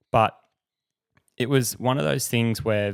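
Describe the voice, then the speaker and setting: Moderately paced speech from a man with an Australian accent, very clean recording, silent background. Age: 30s. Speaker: podcast host. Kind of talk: casual chat.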